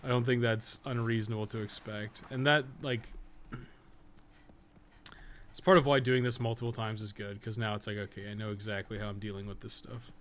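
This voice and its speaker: A man giving casual, rambling live commentary as he plays a game, thinking out loud and swearing freely. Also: fairly low pitch, steady tone, fast talker, few pauses, a little hiss or hum. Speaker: game streamer and guide maker.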